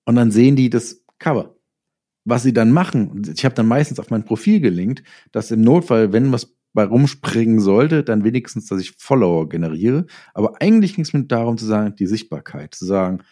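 A man's voice: medium pitch, lively intonation, brisk, mellow. A middle-aged man talking casually as an interview guest, explaining things reflectively and often voicing his own thoughts as quotes. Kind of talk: casual conversational interview talk.

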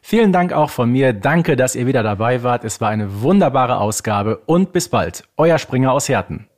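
A man's voice: mid-range voice, lively intonation, normal speed. A man chatting casually as a guest on a podcast.

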